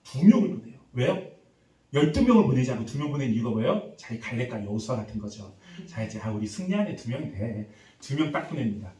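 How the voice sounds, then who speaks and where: A man preaching a revival sermon as a pastor, lively and acting out the people he quotes while quizzing the congregation. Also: mid-range voice, fast talker. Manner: animated, acts out quoted voices, quizzes congregation. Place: church sanctuary. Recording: echoey church hall, distant mic.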